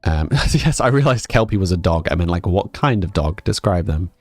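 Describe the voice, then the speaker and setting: A young man from England, who has family in Scotland, chats casually with his stream viewers and reads their messages aloud, his accent blending northern and southern English sounds. He's relaxed and rambling, with a low voice at normal speed, no echo, and faint music behind him.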